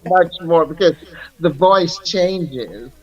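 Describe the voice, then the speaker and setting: An older man, a music artist recalling his career in an unhurried, reflective way as a radio guest. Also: on the high side, animated, muffled recording. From Jamaica. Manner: unhurried, reflective, laughs often. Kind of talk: radio interview.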